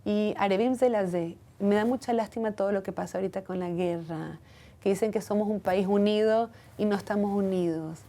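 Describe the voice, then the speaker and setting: Earnest, reflective woman with a mellow voice. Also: medium pitch, a little fast. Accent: foreign accent when speaking Hebrew. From from outside Israel. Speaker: interview guest. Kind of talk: reflective personal interview.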